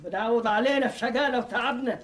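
A put-upon merchant in a historical film. His voice is very high. He sounds resigned and complies grudgingly. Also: fast, a bit bright. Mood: weary.

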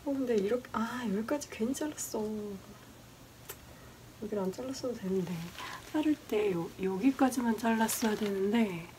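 A woman's voice: a little high, normal speed, rough recording. A woman chatting casually and informally in a DIY vlog, partly talking to herself as she works. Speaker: video creator and host. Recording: loud crinkling, clicking handling noise.

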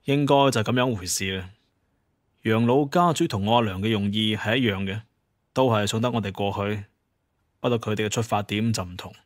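A man playing a level-headed master hunter and clan leader in an audio drama, speaking in a measured, explanatory way. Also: on the low side, dry recording, clean studio sound, close to an everyday voice. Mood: calm, reasoning.

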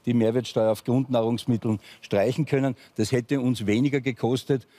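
A man's voice: mid-range voice, fairly even intonation, moderate pace, dark tone, no room sound. A man speaking hesitantly as a guest on a studio panel debate. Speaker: talk show guest.

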